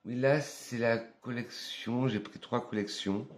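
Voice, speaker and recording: A man from France reviewing perfumes in a casual vlog, talking in an unhurried, hesitant way and thinking aloud with many pauses. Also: medium pitch, steady tone.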